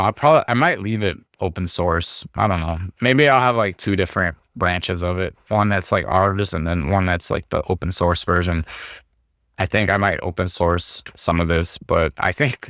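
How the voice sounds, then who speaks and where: A man talking casually on a livestream, rambling with lots of fillers, his voice going hoarse as he gets over being sick. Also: low-pitched, moderate pace, fairly bright tone, no echo, clean studio sound. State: hoarse, recovering from illness. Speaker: streamer.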